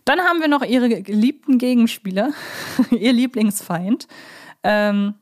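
A woman's voice: fairly high pitch, unhurried, darkish tone. A woman co-hosting a casual discussion, speaking tentatively and often checking for confirmation. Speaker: podcast co-host.

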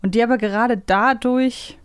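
A woman's voice: a little high, steady tone, normal speed, clean tone, dry recording, clean studio sound. A woman hosting a podcast, chatting casually. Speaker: podcast host. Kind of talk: casual chat.

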